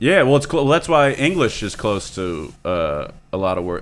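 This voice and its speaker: A man speaks with a Philadelphia accent and very wide pitch swings. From Pennsylvania, Coatesville near Philadelphia. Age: 20s. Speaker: comedian. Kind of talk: casual chat.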